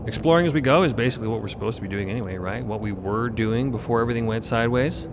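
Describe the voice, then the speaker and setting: A man's voice: mid-range voice, racing, background noise, lightly acted. Man as an easygoing, casual crew explorer. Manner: casual, offhand. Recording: loud music bed underneath.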